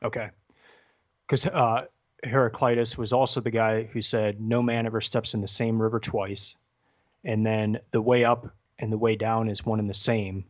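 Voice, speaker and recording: A man's voice: fairly low pitch, flat delivery, moderate pace, highs cut off. A man hosting a podcast discussion, talking casually and hesitantly, often correcting himself. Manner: hesitant, self-correcting, conversational. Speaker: podcast host.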